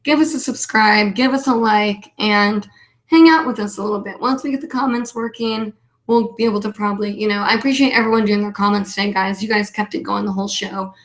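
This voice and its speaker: A woman's voice: mid-range voice, steady tone, a little fast, poor audio. A woman hosting a casual live online show, chatting in a rambling, self-deprecating way. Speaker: host of a weekly live online hobby show. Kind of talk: casual livestream chat.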